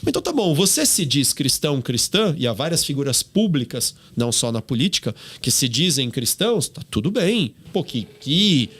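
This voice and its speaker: Man, Brazilian Portuguese accent, podcast talk, emphatic and preachy, fairly high voice. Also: sing-song, normal speed, hardly any pauses, a bit bright, breathy edge. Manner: emphatic, preachy, rhetorical questions. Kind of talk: podcast discussion.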